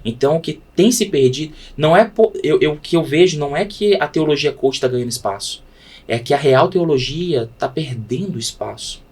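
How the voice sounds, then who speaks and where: A man, a pastor, talking in a podcast conversation with a preaching cadence that swings from loud emphasis to hushed tones. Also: a little high, lively intonation, a little fast, breathy edge.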